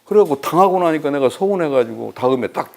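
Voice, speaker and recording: Animated male professor. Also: on the high side, fast talker, gravelly. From Chungcheong, South Korea. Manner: animated storyteller who acts out dialogue and teases the audience. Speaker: university professor lecturing. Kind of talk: humorous lecture with anecdotes.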